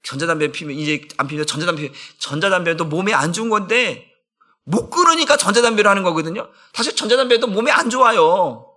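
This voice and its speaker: A man's voice: high-pitched, expressive, fast, pushed and bright. A middle-aged man, a senior pastor, giving an emphatic dawn prayer sermon and acting out friends' taunts in casual speech.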